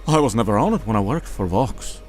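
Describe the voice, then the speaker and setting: A man acting a kindly, protective big demon henchman in a fan audio drama, earnest and soft-hearted in manner. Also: lowish voice, lively intonation, fairly quick, soft background music, close to an everyday voice. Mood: earnest, reassuring.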